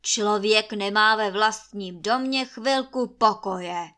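A woman's voice: mid-range voice, steady tone, bright, forceful tone, close to an everyday voice. A woman voicing a blustering, short-tempered old male landlord who roars and curses in a storybook reading. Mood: raging. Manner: roaring, cursing, short-tempered.

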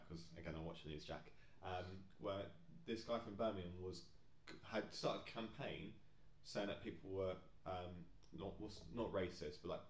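A man's voice: low-pitched, slight background noise. A man co-hosting a podcast in casual banter, blunt, sweary and joking. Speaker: podcast co-host. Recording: roomy echo.

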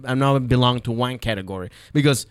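A man with a Venezuelan Spanish accent talks in a casual, rambling way, circling back and restarting his thoughts. His voice is smooth and clear. The sound is close and dry. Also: medium pitch, brisk, no echo. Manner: rambling, many restarts and fillers. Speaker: comedian podcast host. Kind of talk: casual chat.

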